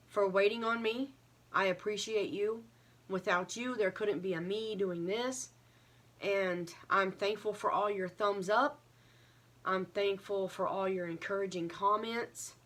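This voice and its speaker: Lady doing a casual vlog update, kinda short of breath and halting, sincere, medium pitch. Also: fairly bright tone. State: slightly short of breath, recovering from illness. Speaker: craft vlogger. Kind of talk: casual personal update to viewers.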